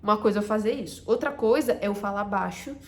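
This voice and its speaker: A woman with a Carioca accent from Rio de Janeiro gives a direct-to-camera lesson as a communication coach, speaking emphatically and dropping to a soft voice to make a point. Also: mid-range voice, fast. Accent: Carioca Brazilian Portuguese. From Rio de Janeiro, Brazil. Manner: emphatic, drops to a soft voice to make a point, then rises again. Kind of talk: direct-to-camera teaching talk.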